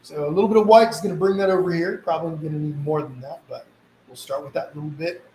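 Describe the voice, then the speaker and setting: A painting instructor runs a casual live tutorial, sniffling slightly from a mild cold but staying reassuring and easygoing. His voice is a little high, warm and quick. The room echoes, and some background noise comes through.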